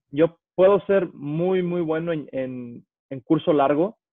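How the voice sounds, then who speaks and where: He has a normal speaking voice. The man's pitch is fairly high, and his intonation stays fairly even. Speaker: competitive swimmer. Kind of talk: casual chat.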